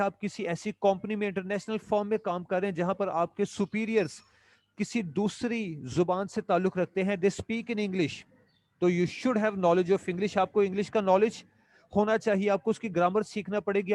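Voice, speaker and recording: A man gives a lecture in a fairly high voice. He reads each English line slowly and carefully, then explains it in Urdu. The recording is dry and close, with almost no room sound. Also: darkish tone, dry recording. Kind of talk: classroom lecture.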